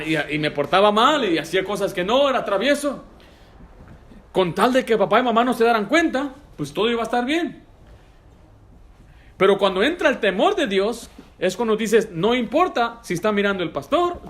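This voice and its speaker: A man with a high-pitched voice preaching in a church, pressing his listeners with pointed rhetorical questions. He speaks in an emphatic, direct way and slips English phrases into his sermon. He sounds middle-aged. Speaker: pastor.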